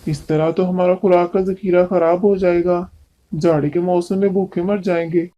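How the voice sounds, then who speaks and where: A woman's voice: lowish voice, steady tone, moderate pace, dark tone, highs cut off, pitched below the performer's own voice, natural voice. A woman voicing a humble, kind-hearted male father ant in a children's story, speaking in an earnest, polite, beseeching way. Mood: worried.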